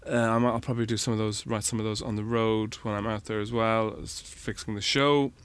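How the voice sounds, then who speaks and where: A man chatting as a podcast guest, rambling through his answers with dry, dark jokes. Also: fairly low pitch, level tone, fairly quick, clean tone. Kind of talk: casual interview chat.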